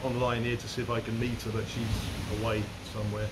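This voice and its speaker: A middle-aged man chatting as a guest, meandering and restarting his sentences, recorded in a room with a steady air-conditioner hum. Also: lowish voice, a little fast. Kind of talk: casual conversation. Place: room in the Philippines.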